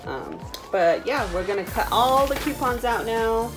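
A woman's voice: on the high side, expressive, a little slow, music in the background. Chatty young Native American woman vlogging. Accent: Native American reservation accent. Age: young adult. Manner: chatty, informal, rambling. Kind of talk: casual vlog chat. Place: small room indoors.

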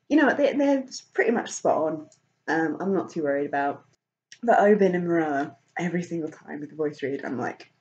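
Woman vlogger, lower voice, casual rambling chat, muffled lo-fi recording. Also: a little mellow. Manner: rambling, many fillers and restarts, laughs often. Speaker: vlogger and author.

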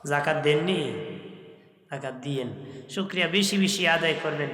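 A man's voice: on the high side, normal speed, crowd noise. A male preacher giving a sermon, telling stories and moving into a melodic chant. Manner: switches to a melodic chanting delivery; dialect-flavoured Bengali storytelling. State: feeling unwell, speaking softly. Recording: echoey hall with long reverb.

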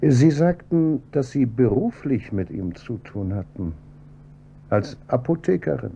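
An actor playing a calm, probing police inspector who heads homicide in a radio drama, with a dry, measured delivery. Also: male voice, medium pitch, creaky. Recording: dull, slightly noisy audio with hum.

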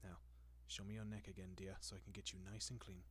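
A centuries-old vampire, acted by a man, speaks in a fairly low, husky voice. He is refined and courteous, coaxing softly with lingering pauses. The tone is doting and possessive, in the style of intimate roleplay audio. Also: little pitch movement. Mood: doting, pleased.

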